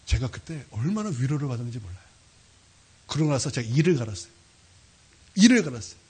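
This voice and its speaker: A man preaching a sermon as pastor, telling a story with lively, sudden loud peaks. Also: mid-range voice, fast, breathy edge. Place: church sanctuary.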